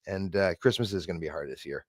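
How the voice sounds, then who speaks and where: Rambling man in his sixties, low voice. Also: quick pace, dry recording, studio quality. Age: 60s. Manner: rambling, chatty, thanks viewers by name. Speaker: live stream host. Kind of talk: casual live-stream chat with viewers.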